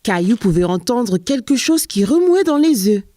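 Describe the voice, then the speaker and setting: A woman performing as the gentle storytelling narrator of a children's cartoon in French, with soft music behind. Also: on the high side, sing-song, moderate pace.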